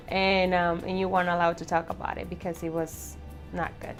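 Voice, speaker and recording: A woman's voice: fairly low pitch, lively intonation, moderate pace, faint music behind. A woman from the Dominican Republic, speaking reflectively with hesitant restarts in a documentary interview.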